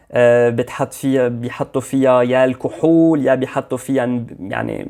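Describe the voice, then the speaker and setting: A man with a Lebanese accent speaks fairly slowly at a medium pitch, his tone dark and mellow. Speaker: polyglot language educator. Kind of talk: educational explainer.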